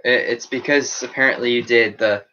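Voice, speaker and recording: Reading his live chat, a teenage boy in a headset rambles chattily and reacts to comments from a small room with a green backdrop. His medium-pitched voice sounds sharp, with fairly even intonation at normal speed. The audio is dull, with a little hiss or hum.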